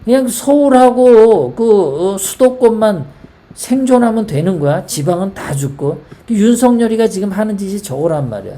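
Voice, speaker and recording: A woman's voice: medium pitch, big pitch swings, moderate pace, mellow. A woman from South Korea hosting a casual political monologue, talking in a heated, rambling way full of rhetorical questions. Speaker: political commentary host.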